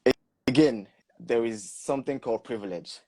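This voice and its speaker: A man in his twenties, a PhD student, talking in a relaxed conversation and deliberately stressing his key words. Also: medium pitch, dry recording. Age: 20s. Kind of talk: casual conversation.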